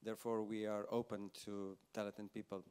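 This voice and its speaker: A man with a low, smooth and resonant voice speaks on a business panel. He talks directly and candidly. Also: little pitch movement, normal speed, mellow. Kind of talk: panel discussion answers.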